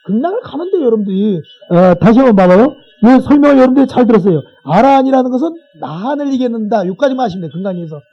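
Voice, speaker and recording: A Buddhist monk lectures on a sutra to his class in an unusually high voice for a man. He keeps it colloquial and checks back with his listeners as he goes. The recording sounds dull and lo-fi. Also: animated, racing, hardly any pauses, breathy edge.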